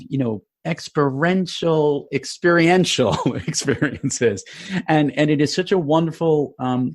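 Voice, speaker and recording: A male podcast host with an even, middle-pitched voice. He asks questions casually and often stumbles and restarts a phrase. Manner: casual, restarts and repeats words. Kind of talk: podcast interview.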